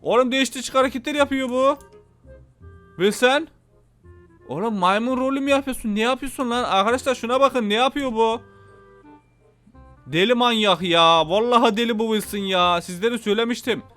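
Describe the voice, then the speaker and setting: A man talks through his gameplay in a high, bright voice, jumping to quick exclamations as things happen on screen. Game music plays faintly behind him. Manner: excitable, exclaiming. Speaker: gaming YouTuber. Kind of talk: casual gameplay commentary.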